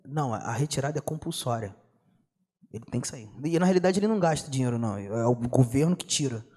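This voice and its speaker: Fast-talking and mid-range in pitch, this young Brazilian Portuguese-accented law teacher runs an exam-prep lecture full of slang and energy, continually posing rhetorical questions to his students.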